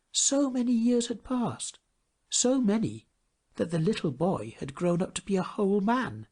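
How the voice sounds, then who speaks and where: A man reading a storybook tale aloud in an expressive, dramatic storytelling manner. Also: high-pitched, breathy edge. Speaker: storybook reader. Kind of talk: scripted storybook narration.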